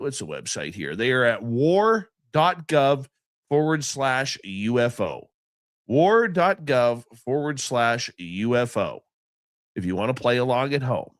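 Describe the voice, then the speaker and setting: A man with a stuffy, congested nose hosts a live radio stream early in the morning, sounding sleepy and loose. His pitch swings widely as he rambles and greets viewers by name. The sound is dry and close, with no room echo. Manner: rambling, chatty, affectionate with viewers. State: sleepy, just woken up. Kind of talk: casual live show chat, reading out chat names.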